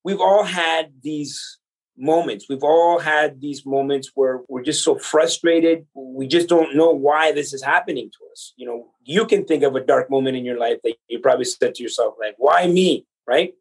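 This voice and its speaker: Husky-voiced man telling his story. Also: fairly high pitch, normal speed, low-quality recording. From El Salvador. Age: 40s. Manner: earnest, motivational, speaks to the listener directly. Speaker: podcast guest, entrepreneur. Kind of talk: conversational storytelling.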